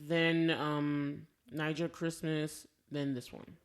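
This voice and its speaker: A woman's voice: deep voice, flat delivery, takes it slowly, clean tone. Chatty woman co-hosting a film review podcast. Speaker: podcast co-host reviewing films. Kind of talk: casual chat, film review.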